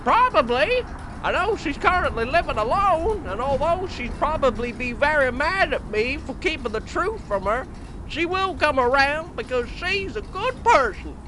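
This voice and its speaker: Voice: high-pitched, very animated, moderate pace. An actor voicing a sassy female talking chicken in an audio drama, with a blunt, snippy manner. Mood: frank. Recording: faint background noise.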